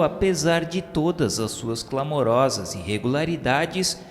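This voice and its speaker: A man with a Brazilian accent narrating a religious radio novela in a solemn, formal, literary style with measured delivery. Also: medium pitch. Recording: long reverb with music bed. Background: music.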